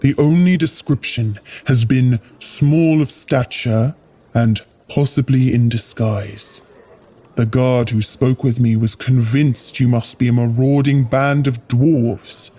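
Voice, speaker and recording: An actor playing a stern, composed palace giant in an audio drama, speaking in a formal, commanding way. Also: male voice, mid-range voice, mellow, breathy edge.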